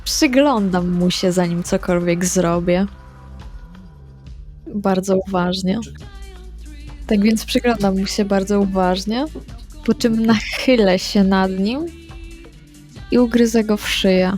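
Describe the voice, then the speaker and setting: A woman's voice: mid-range voice, fairly even intonation, takes it slowly, long pauses, darkish tone, soft background music. A woman playing a tabletop role-playing game, casually describing what her character does.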